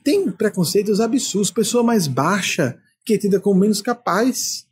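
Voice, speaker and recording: A man's voice: sits high, expressive, normal speed, breathy edge. An older man from Brazil, a spiritual leader giving an emphatic talk full of rhetorical questions.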